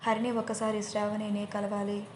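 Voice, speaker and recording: A woman voicing an old grandmother who gives calm, firm instructions, in an audio story. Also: medium pitch, moderate pace, echoey room, slight background noise, lightly acted.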